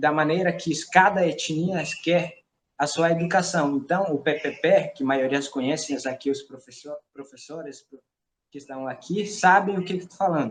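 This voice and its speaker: With an Amazonian accent, a man speaks in a high voice at a fairly slow pace, his pitch varying in an ordinary way. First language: Tikuna (speaking Portuguese). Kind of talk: talk in a live video conversation. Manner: halting, frequent self-corrections.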